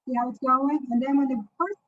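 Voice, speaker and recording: A woman's voice: high voice, a little fast, narrow, tinny audio, a little hiss or hum. A woman from Sweden with a Swedish accent, casually walking viewers through apps on a shared screen, chatty and loose, correcting herself as she goes. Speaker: presenter.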